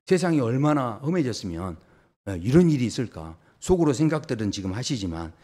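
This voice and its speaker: A man's voice: medium pitch, fairly quick. A man preaching a Sunday sermon as pastor, telling stories and acting out little voices as he goes. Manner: storytelling with lively acted-out voices for body parts.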